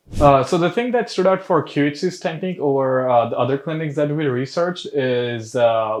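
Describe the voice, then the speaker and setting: A fairly high-pitched man with an American accent and lively intonation, talking at a moderate pace over noticeable background noise. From US Midwest, Chicago, Gujarati family. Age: 20s. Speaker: hair transplant patient. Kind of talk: testimonial interview. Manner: casual with frequent uh fillers.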